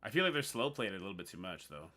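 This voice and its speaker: A man from Newfoundland with a Newfoundland accent, hosting a casual livestream. He reads on-screen text aloud haltingly and chats with his viewers. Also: deep voice, sing-song, pushed and bright, faint music behind. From Newfoundland, Canada. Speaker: livestream host.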